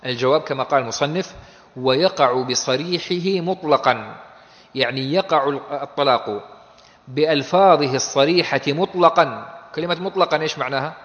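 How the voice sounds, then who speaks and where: Higher-voiced sheikh teaching in a reverberant hall. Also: male voice, normal speed, fairly bright tone. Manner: asks questions and answers them himself; explains in plain conversational terms. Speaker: sheikh teaching a law text. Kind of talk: classroom lecture on Islamic law. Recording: dull audio with long hall reverb.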